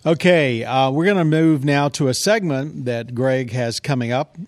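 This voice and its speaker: A man's voice: mid-range voice, normal speed, dry recording. A man hosting a car talk show, steering the chat with questions in a conversational way. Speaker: show host. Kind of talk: radio-style car talk.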